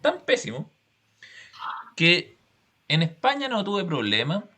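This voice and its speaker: A man's voice: high-pitched, wildly swooping pitch, slow pace, sharp tone. A man with a Chilean accent teaching a class, explaining step by step with examples and frequent check-in questions.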